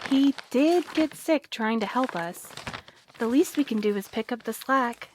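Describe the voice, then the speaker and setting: An actress playing a considerate, soft-hearted postal colleague in an audio drama, gentle and earnest. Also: female voice, a little high, lively intonation, unhurried, a little hiss or hum.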